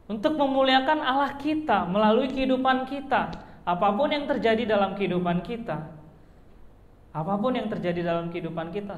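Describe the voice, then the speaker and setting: A young man preaches in a loose, conversational way, tossing out rhetorical questions and filler words as he goes. His voice sits fairly high. The sound carries the ring of a reverberant church hall. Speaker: pastor. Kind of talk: sermon.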